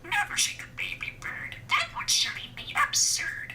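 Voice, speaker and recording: A pet budgie mimicking human phrases in parakeet chatter, with a squeaky, garbled, scratchy whispery voice. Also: moderate pace. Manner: parakeet chatter, mimicked speech in chirpy squawks.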